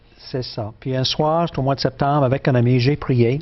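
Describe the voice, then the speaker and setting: A man at a medium pitch and moderate pace, with a slight English-Canadian accent, amid noticeable background noise. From Ontario, Canada. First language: English (speaking French). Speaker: pastor and camp director. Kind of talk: testimony. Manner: hesitant, many fillers.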